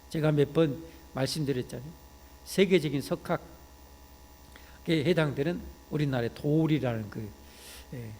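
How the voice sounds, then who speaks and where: A man with a Jeolla accent preaching a sermon in a church, talking like in conversation, peppering lines with "ye" and turning to loud emphatic calls. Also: on the high side, a little hiss or hum. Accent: Jeolla Korean. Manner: conversational preaching, frequent "ye" interjections, rising to shouts when emphatic. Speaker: pastor. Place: church sanctuary. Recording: church hall reverb.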